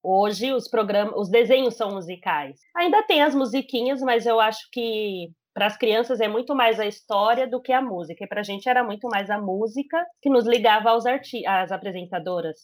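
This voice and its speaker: A woman co-hosting a podcast, bubbly and quick to laugh as she introduces topics. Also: mid-range voice. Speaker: podcast co-host. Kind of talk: casual chat.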